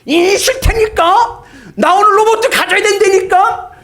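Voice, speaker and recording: A man's voice: extremely high pitch, a little slow, fairly bright tone, pitched above the performer's own voice. A man voicing a petulant little boy who whines and pleads for a toy robot. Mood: whining.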